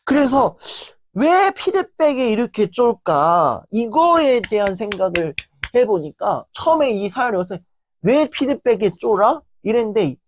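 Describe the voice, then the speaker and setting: A woman giving a motivational lecture in a lively, animated way, often acting out quotes. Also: medium pitch, moderate pace, few pauses, a little hiss or hum. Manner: animated, acts out quoted lines.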